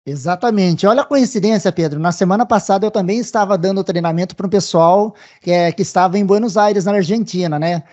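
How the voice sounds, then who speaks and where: A man's voice: high-pitched, fairly quick, few pauses. A man hosting an interview show with a Brazilian accent, speaking to the audience in an upbeat, welcoming way. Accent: Brazilian Portuguese. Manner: warm, upbeat, addresses the audience directly. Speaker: podcast host.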